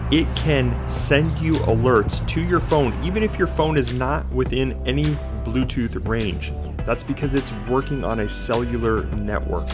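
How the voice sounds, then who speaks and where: A middle-aged man giving an upbeat, scripted voice-over review of an electric bike. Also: mid-range voice. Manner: upbeat, product-focused explanation. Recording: voice-over with music behind. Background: music.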